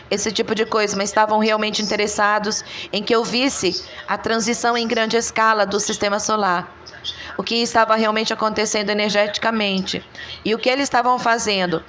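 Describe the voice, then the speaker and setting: A woman reading a dubbed interview voice-over in an even, measured way with slow pauses. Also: on the high side, slight background noise. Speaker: voice-over translator.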